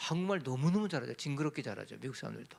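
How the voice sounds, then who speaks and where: A man speaks in an animated tone, his fairly high pitch moving with ordinary variation. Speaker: pastor. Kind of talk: sermon-style lecture. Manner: casual.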